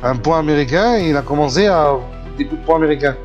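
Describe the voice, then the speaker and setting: A man's voice: fairly high pitch, fast, dull audio, soft background music. A man improvising a streetwise gang member arguing his side in a gaming roleplay. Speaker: GTA roleplay player.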